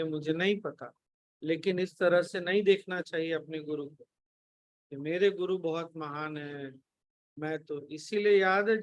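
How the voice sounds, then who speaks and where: A man's voice: on the high side, fairly bright tone, no room sound. A man giving a spiritual discourse and answering questions, speaking firmly and lecturing, cutting off objections. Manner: firm, lecturing, cuts off objections. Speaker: spiritual teacher.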